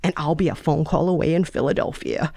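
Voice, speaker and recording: Woman reading as a calm, reassuring, creaky-voiced boyfriend. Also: low voice, brisk, dry recording, studio quality. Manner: calm, certain, soothing. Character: reassuring, steady young man, racing-obsessed boyfriend.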